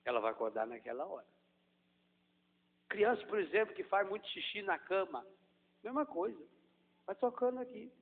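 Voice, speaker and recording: A man, a Catholic priest, preaching a sermon, swinging from hushed, gentle demonstration to loud, drawn-out emphasis. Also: high voice, expressive. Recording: echoey hall over a tinny, phone-like line.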